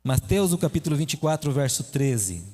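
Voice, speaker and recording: A man with a high voice preaches in a conversational, storytelling way, peppering the congregation with questions. His voice rings through a large hall with a long reverb tail. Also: big pitch swings, fairly quick, mellow. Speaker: pastor. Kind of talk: sermon.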